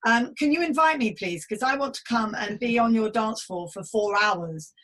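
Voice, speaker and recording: A woman's voice: on the high side, normal speed, a bit bright. A middle-aged woman hosting a podcast chat, talking in an effusive, encouraging, rambling way. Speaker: podcast host. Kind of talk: enthusiastic casual interview chat.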